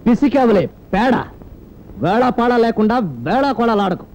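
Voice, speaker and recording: An actor playing a frustrated young bridegroom who whines and argues in an excitable comic way, from an old comedy film. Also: male voice, very high voice, normal speed. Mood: exasperated. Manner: excitable, whining. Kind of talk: 1990s comedy film dialogue. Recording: dull old film soundtrack with music.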